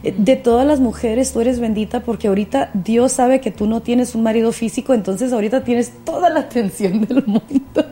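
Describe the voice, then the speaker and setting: A woman's voice: a little high, normal speed, hardly any pauses, mellow. A woman, a singer-songwriter and speaker, sharing her faith testimony as a podcast guest in a fervent, preacher-like way with frequent fillers.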